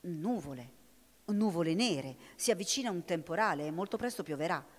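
A woman's voice: fairly low pitch, animated, moderate pace. A woman voicing a big black male harbor cat who talks in an earnest, pleading way, in a storybook reading recorded in a hall with long reverb.

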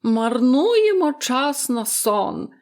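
A woman voicing a fretful, peevish bedridden woman of about forty, who speaks slowly and dryly in a storybook reading. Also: a little high, animated, a little mellow, pitched above the performer's own voice. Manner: fretful, sullen, slow and dry.

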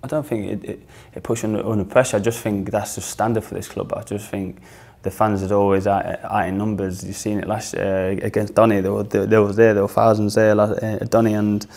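A young footballer with a northern English accent speaks in a low, deep voice. His delivery stays flat and level, hardly rising or falling. He stumbles through fillers and restarts as he answers questions, seated in a small studio. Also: fairly quick, vocal fry, few pauses. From northern England. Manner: hesitant, many fillers and restarts. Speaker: football player. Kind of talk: casual interview answers.

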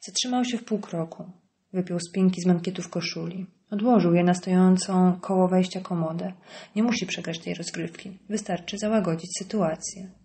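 A woman narrating an audiobook in a calm, even storytelling manner. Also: on the low side, normal speed.

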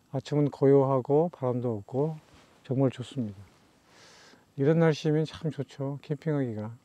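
A man chatting casually to viewers as a camping vlogger, talking things through in an unhurried, thinking-aloud way. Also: medium pitch, mellow, no room sound. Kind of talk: casual vlog chat.

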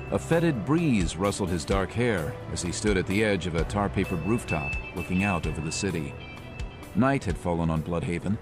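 Deep-voiced male narrator over music. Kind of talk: scripted narration.

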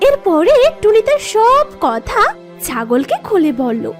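High-voiced woman narrating a children's story. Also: big pitch swings, slow pace, faint music behind.

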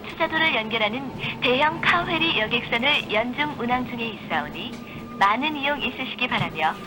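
A woman's voice: on the high side, low-quality recording. A woman reading a scripted passenger announcement for a bus in a formal, courteous manner. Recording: pre-recorded bus announcement with background music. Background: music.

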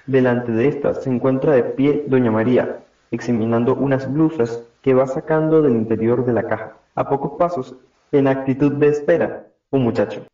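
Narrator: young Argentine male, mid-pitched, reading stage directions, dull roomy recording. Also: moderate pace, warm tone. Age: teenager or young adult.

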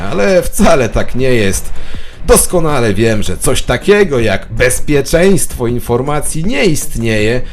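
A man playing a paranoid, bitter middle-aged office worker who delivers a theatrical, suspicious monologue in an audio drama. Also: mid-range voice. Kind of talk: scripted first-person audio drama monologue.

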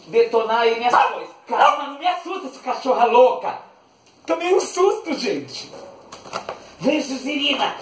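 A man's voice: very high-pitched, a bit bright, recorded from a distance. A man hosting a casual unboxing vlog, sweetly coaxing his dog and laughing often. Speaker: channel host. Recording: echoey room, voice off the mic, faint noise.

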